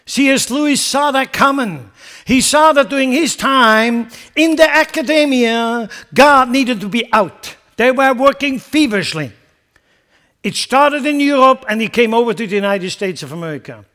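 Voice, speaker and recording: Pastor guy giving a sermon, fairly high voice, gets fired up and stumbles over repeated words. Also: expressive, normal speed, sharp tone. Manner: impassioned, repeats words while building emphasis.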